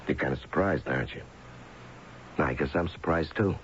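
An actor playing a gruff, insistent ex-convict husband in an old-time radio drama, speaking colloquially and pushing with questions. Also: male voice, rumbling low, moderate pace. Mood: wry, probing. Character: gruff, insistent husband just pardoned from prison. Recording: dull, noisy old radio broadcast.

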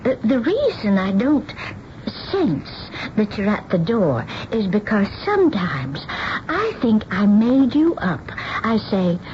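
An actress playing a timid, childlike recluse in a radio drama, hesitant and fluttery, often repeating herself. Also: female voice, medium pitch, big pitch swings, takes it slowly. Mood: wistful, shy. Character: timid, childlike reclusive seamstress living in daydreams. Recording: muffled, noisy old radio broadcast recording.

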